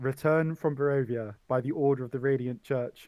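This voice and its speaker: Using a put-on character voice, a man sounds resonant at a medium pitch, moving at a moderate pace with fairly even intonation. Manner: commanding.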